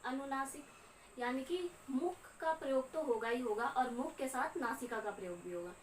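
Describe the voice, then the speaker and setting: A young woman teaching Hindi grammar in a slow, repetitive classroom lecture, often checking in with her students. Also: sits high, recorded from a distance. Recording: echoey room, voice off-mic with faint hum.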